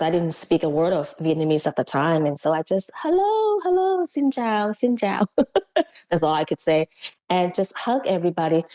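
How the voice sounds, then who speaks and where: In a casual interview, a Cantonese-speaking woman from Hong Kong, a former missionary appearing as a guest, recounts her experiences. Her slightly low, warm voice tells things with animation, slipping into little acted quotes and laughter between fillers, though the recording is rough.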